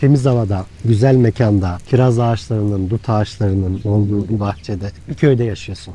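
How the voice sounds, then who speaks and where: With hardly any pauses, a man talks at a moderate pace in a fairly low, somewhat breathy voice with ordinary pitch variation, the sound dry with no echo. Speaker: interviewer. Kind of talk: interview questions. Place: garden. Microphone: phone near.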